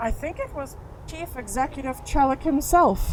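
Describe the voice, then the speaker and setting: A woman does a put-on character voice full of hissing. Clear background noise sits under it. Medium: game stream.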